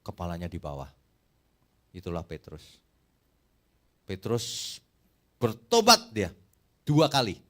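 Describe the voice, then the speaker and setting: A man's voice: sits low, slow pace, pauses often. A middle-aged male pastor preaching a sermon, telling stories and acting out the quotes. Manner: lively storytelling with acted-out quotes.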